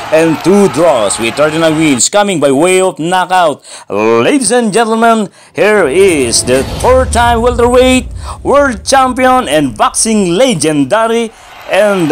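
A man's voice: high-pitched, noisy background. A man announcing like a boxing ring announcer, formal and theatrical, stretching out names as he introduces fighters.

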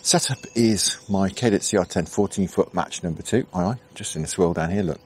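A man's voice: deep voice, fairly quick, darkish tone, slight background noise. A middle-aged man from England chatting casually while fishing outdoors on a canal bank at dawn, thinking aloud with easy fillers. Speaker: angling vlogger. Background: birdsong and insects.

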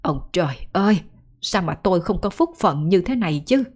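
A woman's voice: on the low side, lively intonation, normal speed, darkish tone, slightly rough. A woman voicing an aging peasant mother who laments her gambling husband, in a folk ghost story. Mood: lamenting. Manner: wailing lament.

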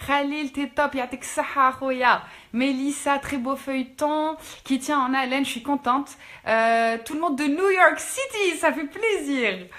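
A young Algerian woman, an actress, chatting fast and casually with fans in a live stream, switching languages. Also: high voice, a bit bright. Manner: quick, chatty, mixing French with Algerian Arabic. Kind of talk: casual live-stream chat reading out comments.

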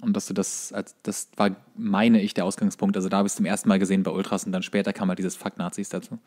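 A man's voice: deep voice, level tone, quick pace, darkish tone. A man who co-hosts a podcast, chatting casually and comedically in a wry, sardonic manner. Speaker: podcast co-host.

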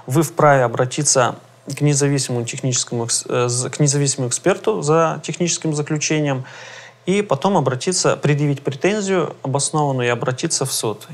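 A man in his thirties, a lawyer, explaining formally and carefully with fillers in an office interview on a lapel mic. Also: medium pitch. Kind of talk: expert interview. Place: indoor office.

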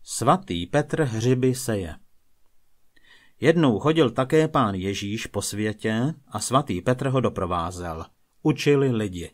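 A man calmly narrating old folk legends as a storyteller, reading at a measured pace. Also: on the low side.

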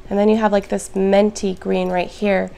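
A woman chatting casually to her viewers in a plant vlog, her voice hoarse and raspy. She is upbeat and talks to the audience directly. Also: mid-range voice, level tone, normal speed, mellow. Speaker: plant vlogger. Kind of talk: casual show-and-tell vlog.

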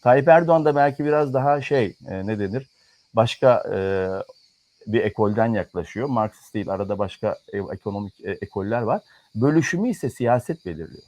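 A man talking economics and politics in a casual chat, arguing firmly and pausing on fillers as he reasons. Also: mid-range voice, expressive, a little mellow, no echo. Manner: argumentative, lectures in firm repeated clauses. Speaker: economics commentator.

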